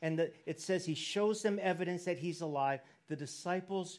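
This man's voice is high in pitch. He speaks fairly slowly. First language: English (speaking Japanese). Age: 60s. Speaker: pastor. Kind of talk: sermon.

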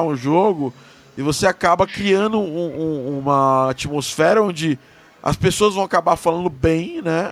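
A man's fairly high pitch at a moderate pace, with ordinary pitch variation. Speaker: indie game developer. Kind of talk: casual chat. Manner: halting, repeats words.

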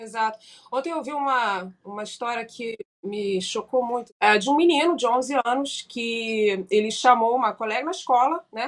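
In a plain, everyday voice, a woman talks at a moderate pace with a fairly high pitch and ordinary pitch variation. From Rio de Janeiro, Brazil. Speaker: podcast host, sociologist and psychoanalyst. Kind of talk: interview.

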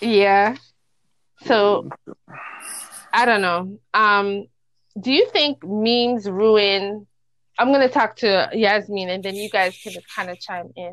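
Speaking very slowly with a Toronto accent, a woman of medium pitch shows ordinary pitch variation, long, frequent pauses and big swings in loudness. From Toronto, Canada. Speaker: podcast host. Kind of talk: casual chat. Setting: remote call. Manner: animated.

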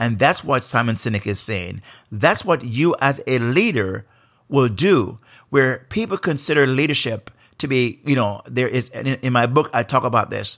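A man with a Jamaican accent at a medium pitch and moderate pace, lively intonation, very clean recording and silent background. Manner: informal, animated.

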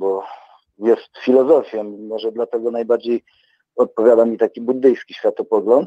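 The pace holds moderate. This is an ordinary speaking voice. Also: man. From rural Poland. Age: 50s. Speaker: caller. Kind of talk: phone-in discussion.

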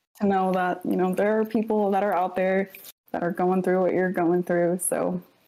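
At a moderate pace, a woman speaks with a dark, mellow tone and medium pitch. Her intonation is flat and monotone, and her loudness stays very even. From Alaska. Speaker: podcast host. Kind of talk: casual chat.

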